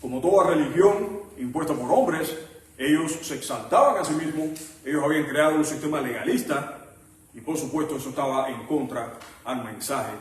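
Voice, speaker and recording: A man preaching a sermon with a Puerto Rican accent, measured, pausing often and restarting phrases. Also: medium pitch, slight background noise. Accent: Puerto Rican Spanish. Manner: measured, with frequent pauses and restarts. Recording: echoey hall, mic at a distance.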